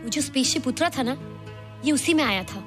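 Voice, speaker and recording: A calm young woman. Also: high voice, brisk. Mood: explaining. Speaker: friend. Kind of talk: Bollywood film acting. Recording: film soundtrack with loud music. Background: film score music.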